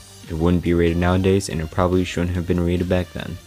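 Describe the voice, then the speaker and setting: A man talks in a very deep, low voice. Music plays in the background. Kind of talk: video game commentary narration. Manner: monotone.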